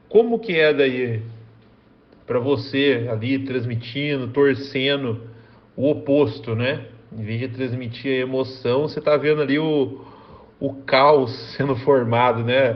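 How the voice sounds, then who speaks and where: Medium-pitched male speech, very slow with long, frequent pauses and fairly even intonation. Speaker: podcast host. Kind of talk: interview question.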